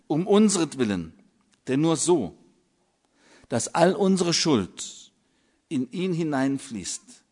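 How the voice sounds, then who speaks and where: An older man preaching a sermon in a measured way, with long dramatic pauses. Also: mid-range voice, darkish tone.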